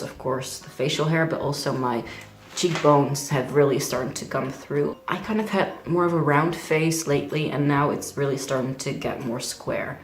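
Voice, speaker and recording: A man's voice: fairly high pitch, roomy sound. A young trans man talking candidly in a casual video diary, chatty and full of "like" fillers. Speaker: vlogger.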